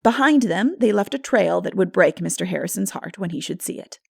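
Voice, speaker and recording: A woman reading literary narration as an audiobook narrator, in an expressive, measured storytelling manner. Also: fairly low pitch, vocal fry, slightly rough, no room sound, clean studio sound.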